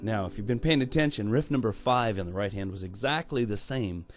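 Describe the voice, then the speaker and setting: Playful man teaching piano over loud playing. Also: lowish voice, brisk. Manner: playful, exclaims and jokes between chord demos. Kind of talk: casual on-camera piano lesson.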